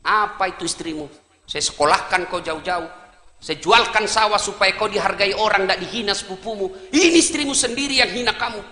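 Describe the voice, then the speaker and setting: A man preaching who voices a fierce old mother loudly scolding her grown son. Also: high-pitched, fairly quick. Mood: indignant. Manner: scolding, loud, indignant. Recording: echoey hall, faint noise.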